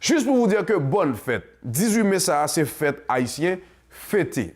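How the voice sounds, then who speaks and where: A man's voice: fairly high pitch, sing-song, takes it slowly. A man with a Haitian accent hosting a community show, talking passionately and mixing Creole into his French. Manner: passionate, switches between French and Creole, sings. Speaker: host. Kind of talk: casual monologue to camera.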